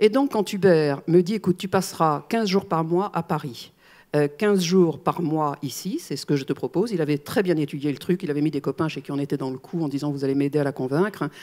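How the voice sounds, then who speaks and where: Recorded very cleanly against a silent background, a woman with a very deep, low pitch and a dark, mellow tone talks at a fairly quick pace with ordinary pitch variation. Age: 60s. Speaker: entrepreneur and conference speaker. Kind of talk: conference testimony. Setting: stage with audience. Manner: hesitant, many fillers.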